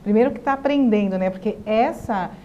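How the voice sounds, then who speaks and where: A woman, a property manager, giving her view in a measured way. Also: fairly high pitch, warm tone, a little hiss or hum. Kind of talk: casual discussion. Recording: dull, muffled sound.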